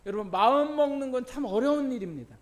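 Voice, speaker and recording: A man's voice: very high-pitched, animated, fast talker. A middle-aged pastor preaching a sermon. He asks the congregation questions, answers them himself and laughs through personal stories.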